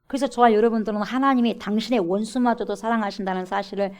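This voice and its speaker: A woman's voice: mid-range voice, fairly even intonation, fast, darkish tone. A woman pastor delivers an emphatic sermon in a church. She keeps calling out to her congregation and drives her points home with direct questions. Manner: emphatic, repeatedly addresses the congregation as 여러분. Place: church sanctuary.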